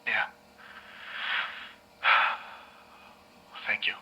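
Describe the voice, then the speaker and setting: A man's voice: pushed and bright, lo-fi sound, full character voice. An actor playing a shaken man who stammers through a painful memory, heard as an old tape recording. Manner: halting, stammering, subdued.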